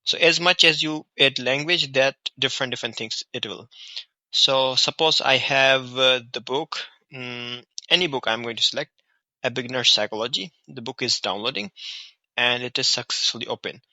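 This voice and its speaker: A man's voice: mid-range voice, normal speed, sharp tone, no echo. A man with a South Asian accent giving an informal, instructional app tutorial, often repeating short phrases and checking that the listener follows. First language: Hindi or Urdu. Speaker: app reviewer and tutorial host.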